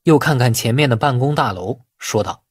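A male narrator reads a novel as a scripted audiobook. His voice has a husky grain and sits at a medium pitch. The sound is dry, with very little room. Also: lively intonation, normal speed, no echo.

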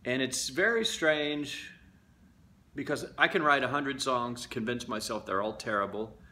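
A man's voice: mid-range voice, unhurried, sharp tone. A man talking casually and candidly to his viewers, reflective and confessional. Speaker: vlogger. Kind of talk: casual talk to camera.

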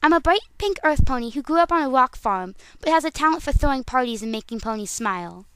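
A woman's voice: sits high, expressive, fast talker, fairly bright tone, a little hiss or hum. A woman voicing a perky, bubbly female cartoon party pony in a bouncy, eager manner.

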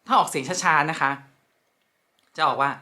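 A woman teaching pronunciation in a lesson, speaking slowly and deliberately and repeating each word carefully. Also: low-pitched, bright, forceful tone. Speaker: French language teacher.

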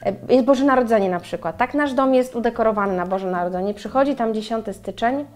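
A middle-aged woman co-hosting a casual chat, animated and speaking straight to viewers, on a lapel mic in a bright room. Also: a little high, fairly quick. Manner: animated, gesturing, addresses viewers directly. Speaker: co-host. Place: bright room with flowers and windows.

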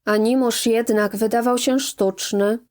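A woman reading a classic novel aloud as an audiobook narrator, in a measured, even manner. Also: on the high side. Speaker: audiobook reader.

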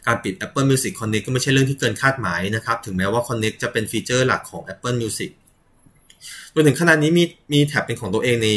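A man's voice: medium pitch, fairly bright tone. A man hosting a casual tech news show, reading headlines and viewer comments with frequent polite particles, small slips and short laughs. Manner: reads news items with filler particles and quick laughs.

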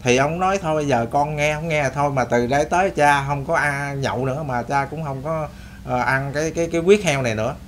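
A man's voice: a little high, fairly quick, slight background noise. A man with a Southern Vietnamese accent telling a story to his audience in a rambling, folksy way, repeating and restarting phrases. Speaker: storyteller host. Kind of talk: casual spoken storytelling to an audience.

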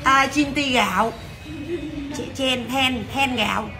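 A woman selling jewelry on a livestream, chatty and brisk, calling out to viewers. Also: high voice, crowd noise. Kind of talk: fast livestream sales patter. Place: jewelry shop.

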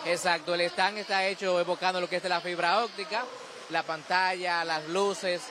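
A young Dominican man at an expo fair stand, rattling off prices and plans into a handheld mic. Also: fairly even intonation. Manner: quick sales pitch listing prices. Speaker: company representative. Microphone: interviewer's handheld mic. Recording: noisy fair hall.

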